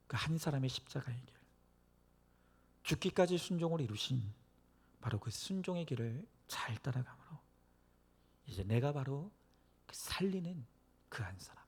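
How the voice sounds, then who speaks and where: A male pastor preaching and praying earnestly to a congregation, exhorting them with phrases that swell from hushed to emphatic. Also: medium pitch, lively intonation, unhurried, long pauses, slightly rough. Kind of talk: sermon and prayer to a church congregation.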